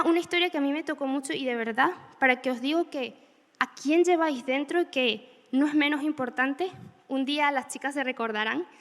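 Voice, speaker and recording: High-voiced woman preaching. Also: big-room sound. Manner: animated storytelling with laughs. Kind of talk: sermon. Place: church hall.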